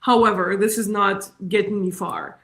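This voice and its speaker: A woman in her thirties with a Russian accent, a guest in a casual interview, talking with animated energy and frequent laughs. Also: mid-range voice, normal speed, echoey room. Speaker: guest, media strategist.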